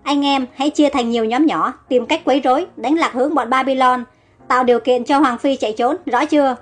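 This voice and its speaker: A woman's voice: high voice, faint music behind. A loyal male guard captain, read by a woman. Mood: decisive. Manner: brisk orders.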